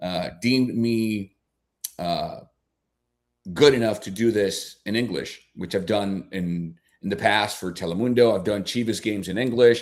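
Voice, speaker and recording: On a very clean recording with a silent background, a man speaks fairly slowly at a fairly low pitch with ordinary pitch variation. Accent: Spanish. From Venezuela. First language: Spanish. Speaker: sports broadcaster. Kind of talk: casual interview.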